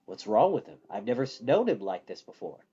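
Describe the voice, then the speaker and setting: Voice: medium pitch, big pitch swings, brisk, dark tone, breathy edge, highs cut off, voice pushed down. A storyteller voicing a vain, sardonic young male wizard in a storybook, theatrical and mock-polite. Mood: worried, restless.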